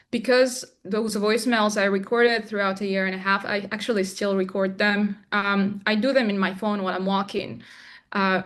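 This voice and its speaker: Young woman from Morocco, a thoughtful interview guest who often pauses and restarts, mid-range voice. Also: mid-range voice, fairly bright tone. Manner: reflective, with frequent restarts and fillers. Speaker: filmmaker guest. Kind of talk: interview conversation.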